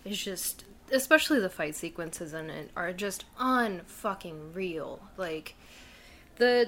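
A young woman chatting casually, easygoing and quick to laugh. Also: fairly low pitch, a bit bright, slight background noise. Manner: giggly, easygoing, talks about anime. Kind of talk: casual chat.

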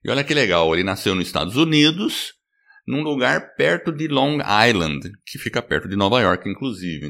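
A man hosting a podcast in casual chat, talking in a lively way and laughing easily. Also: mid-range voice. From United States. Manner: lively, animated delivery with quick laughs. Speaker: podcast host.

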